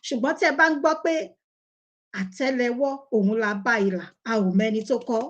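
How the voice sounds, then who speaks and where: A woman's voice: a little high, lively intonation, fast talker. A woman with a Nigerian Yoruba accent, hosting a casual talk show and chatting conversationally to her viewers. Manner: conversational, addresses viewers by name.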